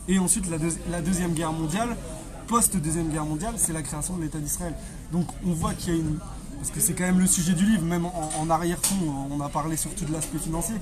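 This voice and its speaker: A man, an interview guest explaining history conversationally, often repeating and rephrasing his phrases. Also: fairly high pitch.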